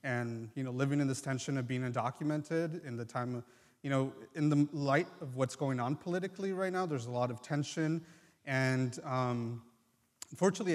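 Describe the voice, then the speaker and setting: Earnest young man sharing his story. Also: mid-range voice. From Mexico. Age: 20s. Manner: earnest and reflective, many ums and pauses. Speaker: guest speaker, medical student. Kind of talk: personal testimony. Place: church sanctuary. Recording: church hall reverb.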